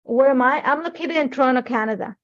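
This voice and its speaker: High-pitched and quick, this crafting host talks casually and thinks out loud while leading a live demonstration at her crafting desk, filmed from overhead. She's middle-aged, Ecuadorian, and speaks Spanish natively, so her accent reflects that. Everything comes through in dull, lo-fi stream audio.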